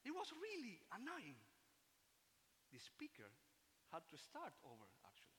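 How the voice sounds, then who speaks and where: High, lively Cuban-accented man in a hall. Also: a little hiss or hum. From Cuba. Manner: earnest, measured, with small restarts and asides. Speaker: speaker telling a personal story. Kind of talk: storytelling talk. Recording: long reverb of a large hall.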